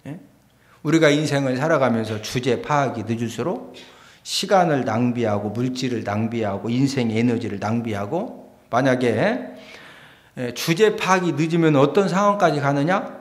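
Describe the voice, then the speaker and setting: A male pastor giving a lively sermon in a church, often prodding his congregation for a response. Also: mid-range voice, moderate pace. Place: church sanctuary. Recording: echoey church hall.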